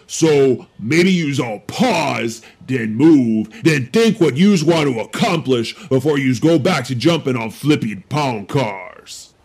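Big friendly troll, husky and gravelly, folksy broken grammar, cyberpunk radio play. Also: male voice, medium pitch, full character voice. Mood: blunt, friendly. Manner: folksy broken grammar, third-person self-reference. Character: big male troll shadowrunner philosopher, friendly, simple-spoken. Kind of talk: cyberpunk audio drama acting.

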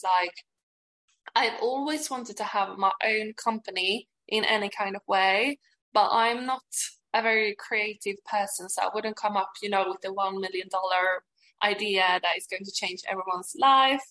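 A woman's voice: mid-range voice, a bit bright, low-quality recording. A woman in her late twenties with a Swedish accent tinged with British, chatting casually and emphatically as an interview guest. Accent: Swedish with some British. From Sweden. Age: 20s. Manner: enthusiastic, emphatic. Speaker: podcast guest, network marketer.

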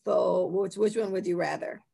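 Female host, African American accent, medium pitch, blunt slangy conversational delivery that repeats for emphasis. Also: steady tone, normal speed, gravelly, warm tone, slight background noise. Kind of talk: casual opinionated chat.

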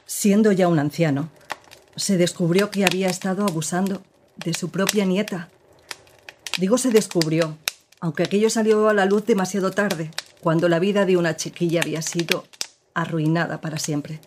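An actress playing a woman who gravely recounts her partner's past in an audio drama, with measured, serious storytelling. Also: lowish voice, fairly even intonation, background noise, lightly acted.

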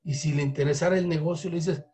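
A Mexican-accented man with a high-pitched voice runs a motivational sales training session. His coaching manner keeps breaking into quick acted-out sample calls to show how a conversation should go. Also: fairly even intonation, dark tone.

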